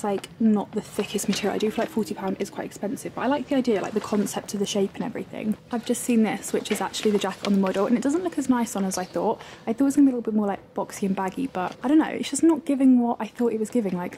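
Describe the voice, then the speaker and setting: A woman's voice: mid-range voice, warm tone, a little hiss or hum. Chatty British woman shopping. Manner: chatty, gushing, sprinkled with "like". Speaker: vlogger. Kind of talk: shop-with-me vlog. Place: large clothing and homeware shop, indoors. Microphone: handheld camera.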